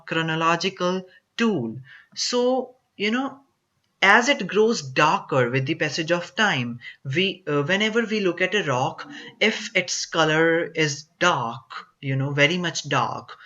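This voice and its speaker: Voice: medium pitch, bright, forceful tone, muffled recording. A teacher explaining exam reading answers line by line, restating the text with many fillers and restarts. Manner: repetitive, paraphrases text with fillers.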